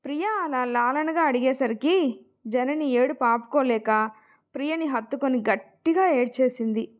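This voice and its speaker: A woman tells a family love story as scripted narration, steady and expressive. Her voice sits notably high. She is a storytelling host. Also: measured pace.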